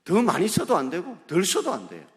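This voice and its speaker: A man preaches with a lively, swooping delivery, pressing his points with questions he throws out to the congregation. His voice carries through a church sanctuary with a long, ringing reverb. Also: high voice, a little fast. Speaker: pastor. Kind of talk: sermon.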